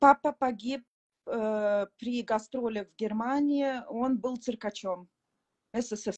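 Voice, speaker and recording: The speech comes at a very slow pace with long, frequent pauses, big swings in loudness and fairly even intonation. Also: woman, fairly high pitch for a woman. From Russia (Moscow, Siberia). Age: 40s. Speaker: participant in live coaching session. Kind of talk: emotional personal testimony.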